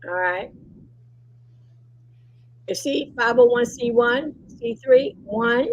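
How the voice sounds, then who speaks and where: A woman's voice: fairly high pitch, slow, rough recording. A woman presenting an informal webinar from an online call, repeating her points and checking in often as she teaches. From Cleveland, Ohio. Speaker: presenter teaching about nonprofits. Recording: faint background noise on webinar call.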